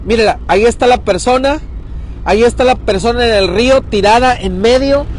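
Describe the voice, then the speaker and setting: A man reporting live from a riverbank, urgent and talking fast, sometimes calling out loudly across the water. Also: very high voice, a little hiss or hum. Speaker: local news reporter. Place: outdoors at a riverbank.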